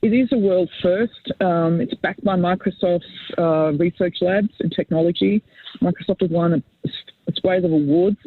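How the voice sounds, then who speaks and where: Brief: Italian-native woman, panel CEO, husky and dry, phone-quality audio. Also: fairly low pitch, moderate pace, no echo. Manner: eager, with frequent um and uh fillers. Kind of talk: webinar panel discussion. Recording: tinny phone-like line.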